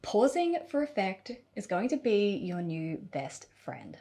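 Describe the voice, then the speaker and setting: A woman coaching viewers in a scripted video tutorial. Her pitch moves a lot, rising and falling through each sentence. She places deliberate pauses and leans on key words. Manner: expressive, deliberate pauses and emphasis.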